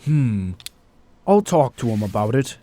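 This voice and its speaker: A man's voice: mid-range voice, very animated, measured pace, warm tone. A man playing a wistful, secretive doctor in an audio drama, theatrical and evasive, with an air of authority. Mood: composed.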